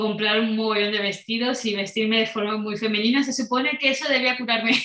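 With a normal speaking voice, a woman talks at a moderate pace, her pitch fairly high. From Venezuela. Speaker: illustrator and philosopher. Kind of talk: interview conversation.

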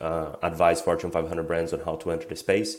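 A man's very deep, low voice carries audible room echo. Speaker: Web3 consultant and speaker. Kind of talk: interview.

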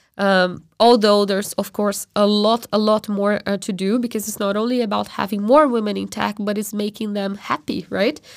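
Speaking at a moderate pace with hardly any pauses, a woman with a Brazilian accent is heard in a very clean recording with a silent background. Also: medium pitch for a woman, fairly even intonation. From Rio de Janeiro, Brazil. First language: Portuguese. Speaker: product manager, mentor. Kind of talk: interview, conversational. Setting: studio. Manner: conversational, thoughtful, some hesitations.

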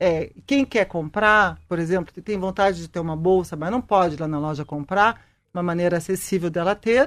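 A woman speaks in a normal speaking voice at medium pitch and a moderate pace, with ordinary pitch variation and hardly any pauses. The background is quiet. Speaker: author and fashion journalist. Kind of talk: radio interview. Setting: studio.

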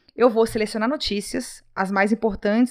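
A normal speaking voice at a moderate pace comes through dry and close with no echo, on a very clean recording with a silent background. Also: woman. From Santa Catarina, southern Brazil (Florianópolis). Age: 30s. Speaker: podcast host and journalist. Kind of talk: solo podcast monologue, casual explanatory.

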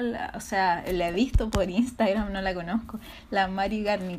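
In a Chilean accent, a woman speaks with a somewhat breathy voice. Her pitch varies in an ordinary way. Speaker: illustrator and ceramicist. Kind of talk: casual interview chat.

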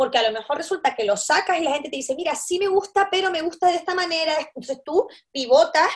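Speaking in a Canarian accent, a woman moves at a fairly quick pace. Her intonation is lively. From Canary Islands. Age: 40s. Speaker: financial education mentor. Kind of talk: interview.

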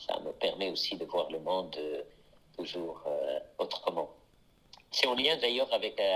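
A man speaks with a Moroccan accent. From Morocco, Fès. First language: Moroccan Arabic (speaking French). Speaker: poet and translator. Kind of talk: interview. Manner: halting, many repeated words.

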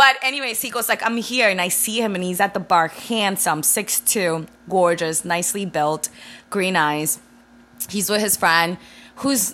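In a Spanish accent, a woman speaks fairly slowly at a medium pitch. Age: 30s. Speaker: podcast co-host. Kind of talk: casual chat. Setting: home recording, drinking wine.

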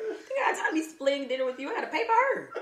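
Speaking very fast with an American accent, a woman uses an extremely high pitch and very wide pitch swings. Noticeable background noise runs underneath. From Detroit. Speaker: actress. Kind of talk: casual chat.

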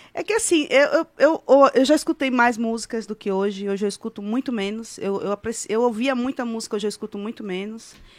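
A woman uses a normal speaking voice, fairly high-pitched with ordinary pitch variation. She hardly pauses, and the sound is dry and close with no echo. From Aracaju, Sergipe, Brazil. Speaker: singer in a forró duo. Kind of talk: casual podcast interview.

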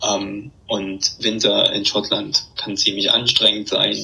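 The male speaker's fairly low voice moves along at a fairly slow pace. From East Germany, Eichsfeld (Thuringia). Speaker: bikepacking adventurer. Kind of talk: casual interview. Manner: hesitant, many filler sounds.

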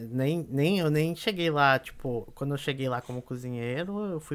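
On a very clean recording with a silent background, a man with an ordinary speaking voice and medium pitch talks at a moderate pace with lively intonation. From Brazil, Curitiba (born Mogi das Cruzes, São Paulo). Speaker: restaurant consultant and chef. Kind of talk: casual podcast interview.

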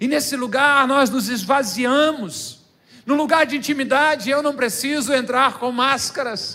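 The voice is raised and projected, moving at a fairly slow pace with fairly even intonation. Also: man. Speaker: pastor. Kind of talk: sermon.

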